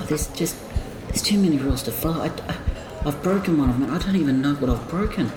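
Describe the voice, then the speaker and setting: A man's voice: on the high side, expressive, over music, close to an everyday voice. A man playing an anxious autistic man, stammering and repeating himself in a fretful inner monologue in an audio drama. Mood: panicked. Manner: stammering, halting, repetitive, fretful. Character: anxious autistic man spiralling over a coffee order. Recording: noisy, echoing room sound.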